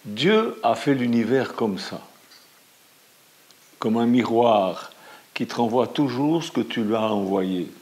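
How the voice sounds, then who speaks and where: A middle-aged Swiss French pastor preaching a sermon with animated, emphatic storytelling. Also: male voice, medium pitch, slow, long pauses. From Valais, Switzerland.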